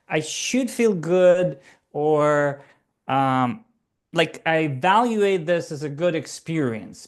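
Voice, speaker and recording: Male guest, slow and measured, reflective, slight stutter. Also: fairly high pitch. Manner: measured, reflective, with occasional light stutters and fillers. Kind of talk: conversational interview.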